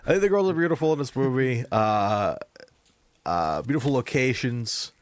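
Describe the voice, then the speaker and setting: A young man co-hosting a podcast, rambling and animated in casual chat, often slipping into impressions. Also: medium pitch, moderate pace. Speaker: podcast co-host.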